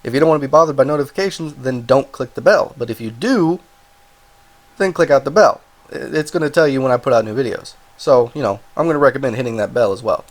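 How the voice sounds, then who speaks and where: A channel host with a stuffed-up voice from a cold reviews a video game casually, talking fast at medium pitch. He rambles, corrects himself and drops apologetic asides.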